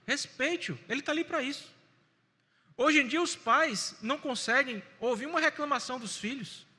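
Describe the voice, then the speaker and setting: A Brazilian Portuguese-accented pastor preaches with animated, folksy storytelling. His voice is very high and sharply bright. Long church reverb trails his words. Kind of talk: sermon. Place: church sanctuary.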